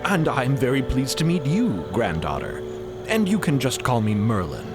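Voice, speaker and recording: A man voicing a courteous, polished professorial gentleman with a genteel, polite manner in a story podcast. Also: medium pitch, huge pitch swings, normal speed, music in the background.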